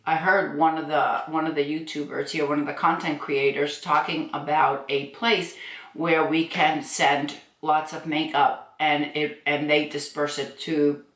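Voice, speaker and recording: A woman's voice: low-pitched, little pitch movement, a little slow, a bit bright. A woman in her sixties chatting on her beauty vlog as she answers viewer comments, laughing often and speaking frankly. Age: 60s. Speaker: beauty vlogger. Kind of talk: casual chat reading viewer comments. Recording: echoey room.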